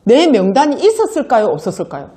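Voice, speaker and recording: A woman's voice: fairly high pitch, huge pitch swings, quick pace, dark tone. A middle-aged woman, giving a motivational seminar talk, telling stories animatedly and acting out quoted voices with frequent laughs. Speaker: sales seminar speaker.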